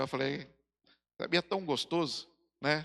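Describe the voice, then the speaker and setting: Fairly slow and fairly even in intonation, the voice has a bright, sharp tone and a dry, close sound with no echo. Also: man. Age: old. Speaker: church elder preaching. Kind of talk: sermon. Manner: conversational, humorous storytelling.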